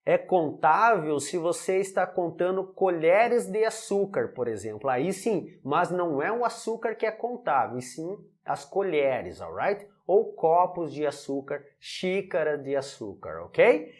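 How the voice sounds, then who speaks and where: Animated Brazilian man teaching English. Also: on the high side, a little slow, hardly any pauses. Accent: Brazilian Portuguese. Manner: repeats examples, checks in with "alright?". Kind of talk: online language lesson.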